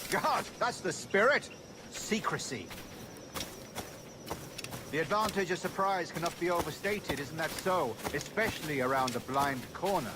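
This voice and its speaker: An actor playing a hearty older officer, brisk and encouraging, in a video game. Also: male voice, a little high, expressive, heavy background noise. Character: older English officer, hearty weapons enthusiast.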